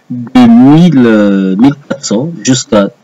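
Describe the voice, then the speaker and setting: A man's voice: medium pitch, animated, takes it slowly, mellow, dry recording, lo-fi sound. A man commenting on a text he reads aloud to viewers, hesitant with many fillers and restarts. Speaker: host reading and rebutting a text. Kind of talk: casual commentary reading aloud.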